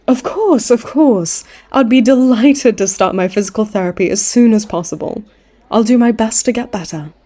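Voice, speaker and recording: In a comedic audio roleplay, a woman with a mellow, fairly high-pitched voice plays a smug, flirtatious villainess in her late twenties confined to a hospital. She sounds sweet and flirty, teasing with mock-sweet, theatrical taunts.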